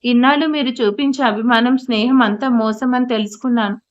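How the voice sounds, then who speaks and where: A woman's voice: a little high, fairly even intonation, brisk, natural voice. A woman voicing a hurt young wife who speaks reproachfully through tears. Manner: reproachful, tearful. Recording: dull lo-fi audio.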